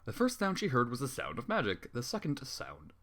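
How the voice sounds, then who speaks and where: A man's voice: mid-range voice, wildly swooping pitch, a little fast, pushed and bright. A man reading a story aloud and breaking off into exasperated, sarcastic, swearing commentary. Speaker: fan fiction reader.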